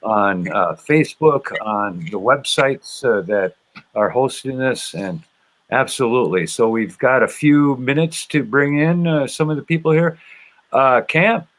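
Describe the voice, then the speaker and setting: Halting man hosting a live broadcast. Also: medium pitch, a bit bright. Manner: halting, searching for words. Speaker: radio event host.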